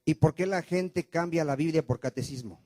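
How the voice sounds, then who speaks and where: Male pastor, slightly high and warm, preaching in a dry close sound, quizzing his congregation. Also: normal speed, dry recording. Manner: fires rhetorical questions at the congregation, call and response. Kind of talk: sermon. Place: church.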